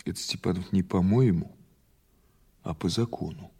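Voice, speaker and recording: An actor playing a patient, skeptical police investigator in an audio drama, questioning in a halting, conversational, insistent way. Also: male voice, deep voice, mellow, breathy edge. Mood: methodical, pressing. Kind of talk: naturalistic audio drama dialogue.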